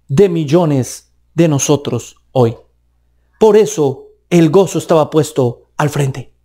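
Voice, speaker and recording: A man with a Colombian accent preaching a sermon, emphatic, with pitch that rises and drops sharply for stress. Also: mellow.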